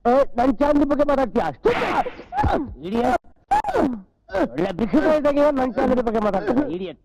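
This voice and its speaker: An actor with a Kannada accent playing an obsessive, lovesick young film director, pleading and shouting in a film drama. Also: male voice, extremely high pitch, very animated, normal speed, creaky, muffled recording, crowd noise, full character voice. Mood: angry.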